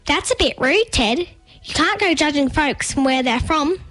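A plain-spoken female emu from a children's audio story. The voice is very high and animated, blustering with motherly authority, close and dry. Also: unhurried, no echo, soft background music. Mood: indignant. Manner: blustery, decisive, folksy.

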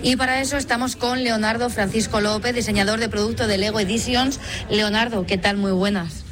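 A woman's voice: on the high side, steady tone, a little fast, a bit bright. A woman reporter interviewing a guest on location, asking chatty, prompting questions.

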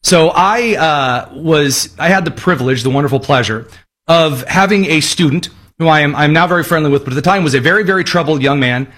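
A man from Indiana delivers political commentary with a sarcastic, mocking edge. His voice sits a little high and husky, and he breaks into jokey asides. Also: fairly quick, fairly bright tone. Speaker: commentary host.

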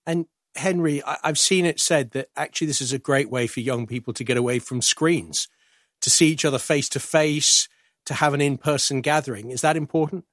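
A man's voice: a little high, fairly quick, fairly bright tone, no room sound. Polite male interviewer, close dry sound. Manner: polite, curious, conversational. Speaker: interviewer, programme host. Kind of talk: broadcast interview questioning.

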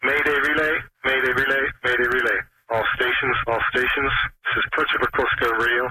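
A man's voice: mid-range voice, flat delivery, fairly quick, very noisy. A man working as a coast guard radio operator, heard over a marine radio transmission, speaking in clipped, formulaic radio phrasing. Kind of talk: radio procedure calls.

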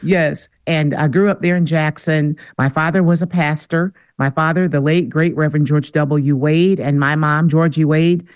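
A woman's voice: low-pitched, steady tone, moderate pace, few pauses, darkish tone, no echo. A woman guest on a radio interview show, telling her life story with eager enthusiasm. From Michigan. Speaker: guest, singer and speaker. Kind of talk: casual interview talk.

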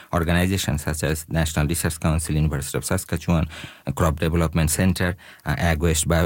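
A man's voice: extremely low pitch, darkish tone, no echo. A man, a scientist speaking as a radio interview guest, earnest and full of "you know" fillers. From Bangladesh. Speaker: scientist, event organizer.

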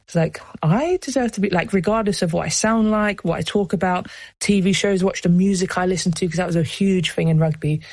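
A woman's voice: fairly low pitch, brisk, a little mellow, no room sound. A woman with a South London accent, a former rugby player answering interview questions in a candid, reflective way, often saying "like". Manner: reflective, heartfelt, peppered with "like".

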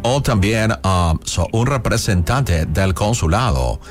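A man with a low voice talks very slowly and haltingly, filling pauses with um and slipping into English words. His pitch moves up and down a lot, and faint music plays underneath. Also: animated.

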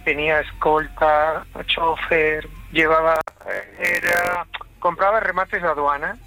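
A man from Chile calling in to a late-night radio show, telling a family story in a halting, reflective way. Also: fairly high pitch, fairly even intonation, pushed and bright, poor audio. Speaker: caller.

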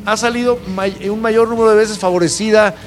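Man, Mexican accent, very high voice, co-host, reads out stats, dry humor. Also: fairly even intonation, a little fast, background noise. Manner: reads out statistics, dry quips. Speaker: sports show co-host. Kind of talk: studio panel chat.

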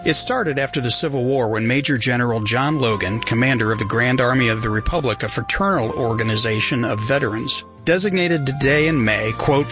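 A man reading a reflective scripted radio commentary in a measured way. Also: mid-range voice.

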